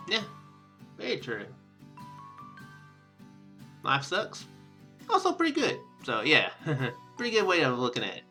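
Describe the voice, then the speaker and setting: A man chats casually as he plays a game, his bright, slightly high voice swinging up and down a lot. He rambles and halts in a self-deprecating way. Game music plays softly behind him. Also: huge pitch swings, measured pace, long pauses. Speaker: let's player. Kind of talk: casual gameplay commentary. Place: indoor room at home.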